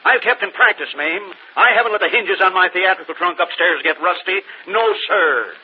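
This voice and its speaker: An actor playing an aging, boastful vaudeville quick-change artist, in 1940s radio acting. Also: male voice, natural voice. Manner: boastful, animated, dropping low when glum. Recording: dull old radio recording with faint hiss.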